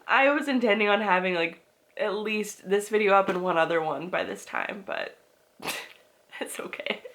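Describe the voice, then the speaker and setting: A woman's voice: a little high, fairly bright tone, slight background noise. A young woman vlogging casually to camera, stuffy-nosed with a cough, bubbly and chatty. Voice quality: bubbly and chatty, with frequent "like" and laughs. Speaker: book and lifestyle vlogger.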